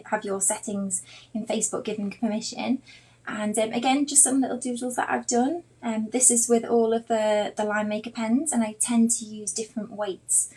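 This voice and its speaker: Woman, Liverpool accent, fairly high voice, chatty and rambling, informal live art tutorial, talks directly to viewers. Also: mellow, poor audio. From Liverpool, England. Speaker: artist and online drawing teacher.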